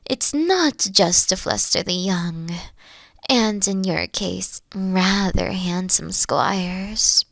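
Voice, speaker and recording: Woman playing a slow, coy, mature queen. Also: medium pitch, no room sound. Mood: candid, warm. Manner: slow, breathy, coy delivery. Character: mature regal queen, teasing, flirtatious, secretly protective. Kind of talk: roleplay audio acting.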